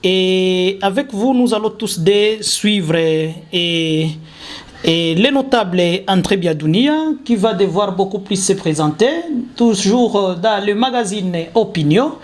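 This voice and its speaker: A man, hosting a talk show interview and pausing often with fillers. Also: sits high. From Congo. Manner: hesitant, many fillers and restarts. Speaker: host.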